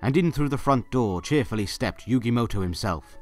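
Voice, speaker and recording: A man's voice: mid-range voice, lively intonation, a little fast, a little mellow, soft background music. Wry male storybook narrator. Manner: wry, with jokey asides.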